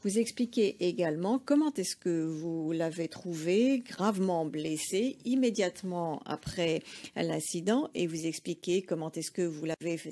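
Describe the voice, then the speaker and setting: Interprète au timbre grave et doux. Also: female voice, on the low side, dark tone. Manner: measured, hesitant with frequent fillers. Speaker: courtroom interpreter. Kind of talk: simultaneous interpretation.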